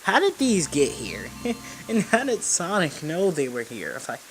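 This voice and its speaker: A man's voice: on the high side, wildly swooping pitch, unhurried, a bit bright. A young man giving casual, slangy, rambling game commentary as the host of a gaming video. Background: video game music.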